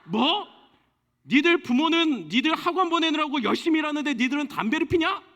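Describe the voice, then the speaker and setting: A cranky old grandfather, acted by a man, scolding loudly and indignantly. His voice is high and sharp with outrage. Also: lively intonation, fairly quick.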